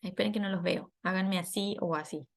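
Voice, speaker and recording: A woman's voice: mid-range voice, steady tone, a little fast, vocal fry. A woman patiently explaining a scoring worksheet to students in an online class, laughing at herself now and then. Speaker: teacher.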